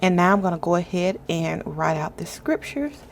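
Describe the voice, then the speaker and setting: A woman hosting a faith vlog and reading aloud in a measured, deliberate way. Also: lowish voice, animated, slight background noise. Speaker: faith journaling channel host. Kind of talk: vlog narration and scripture read-aloud.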